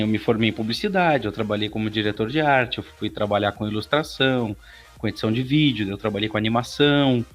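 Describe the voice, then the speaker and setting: Casual man in his thirties over music. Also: mid-range voice. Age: 30s. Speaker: interview guest, aspiring voice actor. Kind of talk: casual interview answers.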